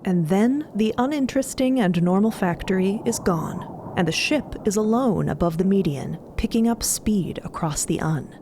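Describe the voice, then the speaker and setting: A woman's voice: mid-range voice, expressive, moderate pace, dark tone, slight background noise. A woman narrating a scripted, playful audio drama as one of its storytellers. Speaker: narrator and voice actor. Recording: music behind.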